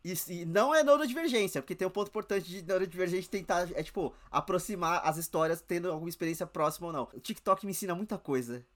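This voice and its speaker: A woman's voice: fairly low pitch, fast talker, few pauses. A young woman, co-hosting a casual podcast chat, talking with lots of fillers. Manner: chatty, leans on fillers like "tipo assim". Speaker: podcast co-host.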